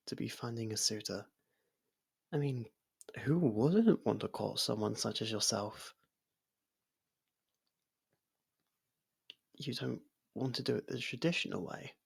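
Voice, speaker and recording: A performer voicing a gentle, lovestruck faerie in an intimate ASMR roleplay, breathy and half-whispered, speaking in a hesitant, halting way. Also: medium pitch, exaggerated voice. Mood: gently curious. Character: soft-spoken, lovestruck young faerie royal, shy, possessive.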